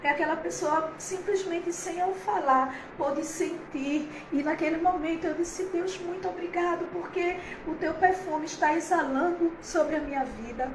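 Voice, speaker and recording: A woman's voice: very high voice, normal speed, hardly any pauses, roomy sound, noisy background. A woman pastor, preaching a heartfelt, conversational sermon on a livestream, with many fillers.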